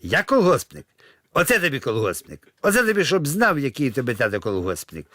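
A man's voice: medium pitch, huge pitch swings, a little fast, sharp tone, no room sound, pitched above the performer's own voice, exaggerated voice. A man playing a hot-tempered middle-aged farmer father who roars at his family. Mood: raging. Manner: roaring, furious.

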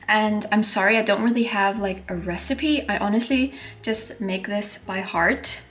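A lifestyle vlogger in her twenties from Iceland chats enthusiastically while cooking in a small home kitchen, saying "like" and "honestly" a lot. Her mid-range voice is a bit bright and moves at a moderate pace, with a roomy sound.

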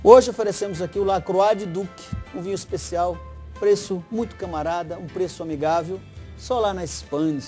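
Emphatic man pitching wine on TV. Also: moderate pace, darkish tone, soft background music. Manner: didactic, salesy, emphatic. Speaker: sommelier guest. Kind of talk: TV wine talk and promotion. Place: TV studio set. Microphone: lapel mic.

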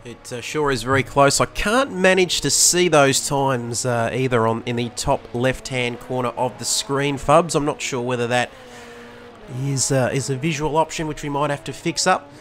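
A man commentating a sim racing stream, excitable and chatty, his voice going hoarse after the flu. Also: mid-range voice, normal speed, a little hiss or hum. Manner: excitable, chatty, many fillers. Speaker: race commentator.

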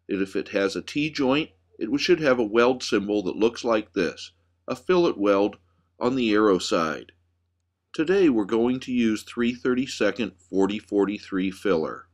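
A man giving a calm, methodical voice-over as a welding instructor, walking through settings and technique step by step. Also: fairly low pitch.

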